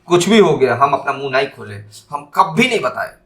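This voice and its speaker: A man giving a spoken lesson on communication, stressing single words and drawing out example sentences slowly. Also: on the high side, sing-song, a bit bright. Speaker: teacher.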